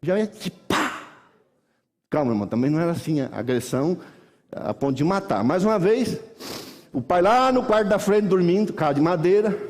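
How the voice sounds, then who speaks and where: A middle-aged man preaches from the pulpit. His fairly high voice tells homely stories with lively energy and acts out the people in them. Long reverb from the church hall trails every line. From Brazil. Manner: animated folksy storytelling, acts out voices. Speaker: pastor. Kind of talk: sermon.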